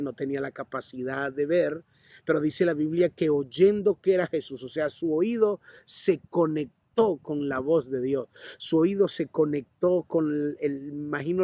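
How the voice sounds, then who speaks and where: A Colombian man preaching from the pulpit with fervor, his voice slightly husky and fairly high for a man. He throws himself into the story and acts out the shouts of its people. The sound is close and dry. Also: no room sound. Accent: Colombian Spanish. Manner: passionate preaching, acts out bystanders and the blind man's cries. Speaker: pastor. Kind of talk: sermon. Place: church.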